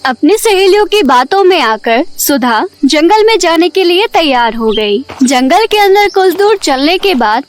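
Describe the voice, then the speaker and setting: A woman narrating a scripted fairy tale in an expressive storybook manner. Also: very high-pitched, measured pace, few pauses.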